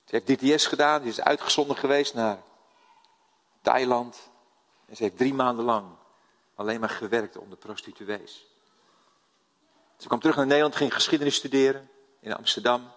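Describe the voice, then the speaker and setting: With a mid-range voice, normal pace and frequent pauses, an older Dutch preacher tells lively stories and questions his congregation. He's from the Netherlands, and the sermon rings with long hall reverb.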